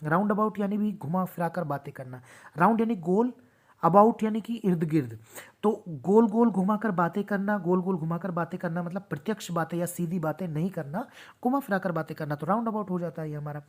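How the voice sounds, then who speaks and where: Woman teacher going over again and again, slightly low voice, terms. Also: fairly quick. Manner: repeats each word and its meaning, patient. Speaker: vocabulary teacher. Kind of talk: explanatory lesson with repetition.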